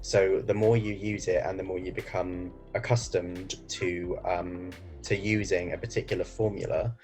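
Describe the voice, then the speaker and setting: A man, a teacher answering interview questions in a soft, thoughtful way. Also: sits low, steady tone, normal speed, soft background music. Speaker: English teacher.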